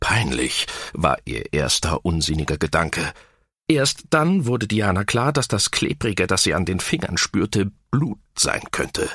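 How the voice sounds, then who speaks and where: A man's bright, sharp voice with vocal fry, very wide pitch swings and a fairly slow pace. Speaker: audiobook narrator. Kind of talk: audiobook reading, dramatic narration. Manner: tense, urgent, emotionally charged.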